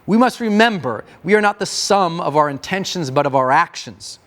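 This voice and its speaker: A man's voice: a little high, lively intonation, normal speed, a bit bright, no echo. Male reader, upper-register voice, declamatory manifesto delivery, very little room. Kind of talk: motivational manifesto reading.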